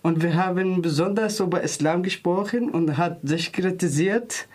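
A man from Sudan, a guest in an interview who tells of his own experiences slowly and deliberately, with simple phrasing. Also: high-pitched, darkish tone. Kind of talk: casual personal account.

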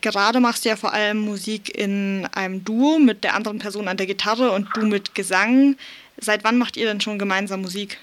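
A woman's voice: mid-range voice, fairly even intonation, fairly quick. A woman interviewing a musician, asking curious, open questions.

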